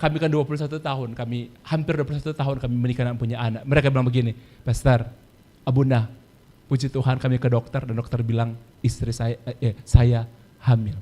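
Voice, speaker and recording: A man's voice: medium pitch, flat delivery, quick pace, mellow. A male pastor preaching a sermon in speech, telling stories, acting out quoted voices and repeating key phrases.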